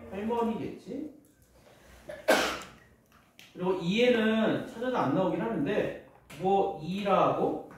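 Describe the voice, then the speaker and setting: A male high school teacher giving a casual classroom lecture, asking students questions and bantering with them. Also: takes it slowly, pauses often, noisy background. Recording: echoey classroom from far off.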